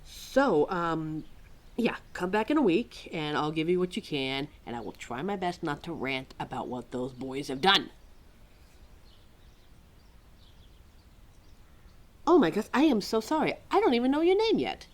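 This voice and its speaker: A woman's voice: fairly low pitch, normal speed. A woman playing a chatty, indignant keeper of forgotten lore in an ad-libbed audio roleplay, rambling and often talking to herself. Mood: apologetic, friendly. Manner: rambling, talks to self, animated, sighing.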